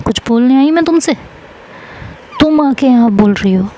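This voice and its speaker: A woman's voice: high-pitched, expressive, moderate pace, dark tone, a little hiss or hum. A woman playing Rabia, a scornful defiant schoolgirl. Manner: dismissive, threatening.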